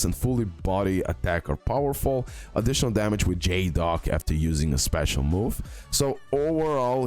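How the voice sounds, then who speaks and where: A man's voice: deep voice, a little mellow. A man giving casual, informal gaming commentary as a content creator, often repeating himself for emphasis. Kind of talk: casual gaming commentary over a tier list. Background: background music.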